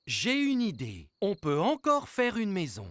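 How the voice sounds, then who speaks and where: Animated, kindly cartoon dad. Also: male voice, sits high, a little slow, heavy background noise, exaggerated voice. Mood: cheerful. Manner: reassuring, good-natured. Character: calm, kindly young father. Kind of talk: animated children's cartoon dialogue.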